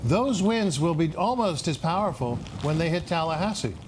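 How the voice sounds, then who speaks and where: An American man anchoring live breaking news without a script, halting and repeating words as he goes. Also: fairly high pitch, expressive, heavy background noise.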